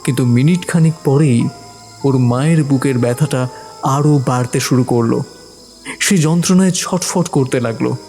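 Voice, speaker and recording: A man's voice: medium pitch, moderate pace. A man narrating a village ghost story in a dramatic scripted style. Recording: narration over loud music. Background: music with crickets.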